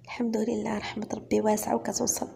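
A woman storyteller voicing a young orphan girl with a Moroccan accent, who speaks softly and humbly. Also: on the high side, racing, a little hiss or hum, natural voice. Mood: meek. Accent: Moroccan Arabic. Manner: soft, quiet, humble. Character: young orphan girl, meek and soft-spoken.

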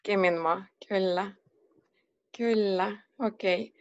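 Slow, patient woman teacher. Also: mid-range voice, steady tone. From Russia. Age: 30s. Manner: patient, repeats and translates phrases. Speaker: language teacher. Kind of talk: online one-on-one lesson. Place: home room, on a video call. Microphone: laptop webcam mic. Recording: dull lo-fi video call audio.

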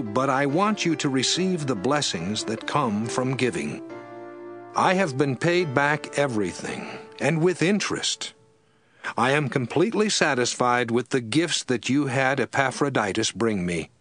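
A man giving a measured, expressive scripted reading of scripture as narrator. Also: mid-range voice. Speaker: Bible reader. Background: background music.

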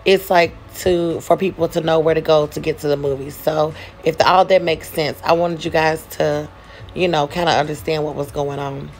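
Woman host, casual game-tour voice-over, lowish voice, relaxed and chatty, faint hiss behind. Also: normal speed. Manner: relaxed, chatty, addresses viewers as "you guys". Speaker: gaming channel host.

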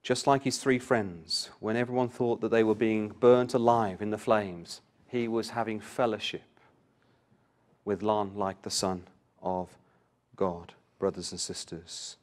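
A man's voice: fairly low pitch, fairly even intonation, measured pace, a little mellow. Man preaching a Bible study. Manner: reads scripture aloud with rising emphasis, then explains; addresses listeners directly with questions. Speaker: Bible class speaker.

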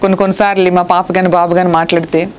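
A woman with a Telugu accent preaching a sermon, earnest and scolding, reading scripture slowly. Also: on the low side, little pitch movement, a little hiss or hum.

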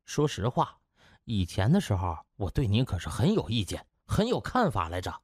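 A man voicing a flattering, cheeky young male doctor in an audiobook drama, effusive and quick to repeat himself. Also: lowish voice, husky, no echo, studio quality, pitched below the performer's own voice, full character voice. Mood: gushing, grateful.

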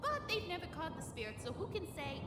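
Woman playing brash, high-pitched, streetwise radio host. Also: sing-song, fairly quick, loud music behind the voice. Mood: wry. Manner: sassy, theatrical, tough-talking. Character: brash, streetwise, bossy female radio survival-guide host. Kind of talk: comedic audio drama acting.

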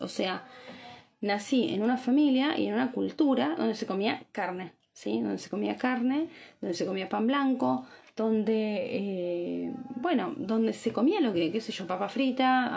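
A woman in her thirties from Argentina with an Argentine accent, giving a chatty, animated live talk to viewers about diet and habits, often checking in with tag questions. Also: medium pitch, creaky. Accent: Argentine Spanish. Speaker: Ayurveda doctor. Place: small bright room indoors. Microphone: phone camera at arm's length.

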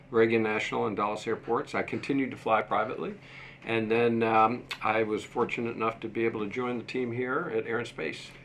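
A man in his sixties answering interview questions in a measured, halting way, pausing as he goes. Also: mid-range voice, a bit bright, a little hiss or hum. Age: 60s. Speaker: interview guest, museum deputy director and former airport manager. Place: small indoor office set. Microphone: desktop microphone shared at a table.

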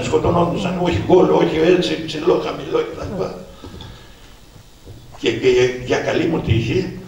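Gravelly older man telling stories in an echoey hall. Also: a little high, a little mellow. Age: 60s. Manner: anecdotal, addresses listeners directly and acts out old dialogues. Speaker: author presenting his book. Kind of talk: personal storytelling to an audience. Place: event hall at a book presentation. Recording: echoey hall, distant mic, faint noise.

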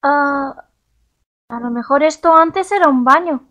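A woman's voice: sits high, pushed and bright. A woman playing a carefree young woman in an improvised game roleplay, cheerful and unbothered. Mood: playful, cheerful. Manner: cheerful, unbothered, quick exclamations. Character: carefree, playful young woman who delights in oddities.

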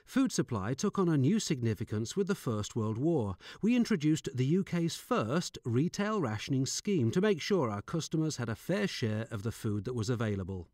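A middle-aged man with a soft Northern English accent reads scripted corporate narration in a measured, informative storytelling manner, close on a studio microphone. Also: mid-range voice, very animated, dry recording. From Northern England. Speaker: voice-over artist. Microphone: studio microphone with pop shield.

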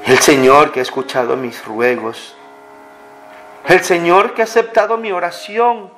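A man leading a slow, fervent spoken prayer, pleading and pausing often. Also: a little high, steady tone, a bit bright. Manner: pleading, fervent, many pauses. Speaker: prayer leader. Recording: clear music bed under the voice. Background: music.

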